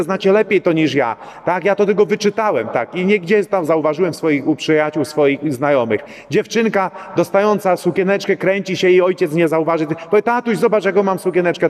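A middle-aged male priest giving a conversational sermon, speaking directly to his congregation and often asking "right?". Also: high voice. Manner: talks directly to the congregation with frequent rhetorical "right?" asides. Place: church. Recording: long reverb of a church.

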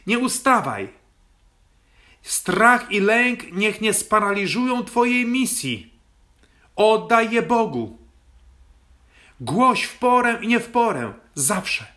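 A man delivers a sermon in a high, bright voice that rises and falls with wide expression. He speaks slowly and deliberately, urging listeners with repeated phrases and pointed rhetorical questions. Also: sing-song. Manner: slow, repetitive, exhorting with rhetorical questions. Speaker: priest.

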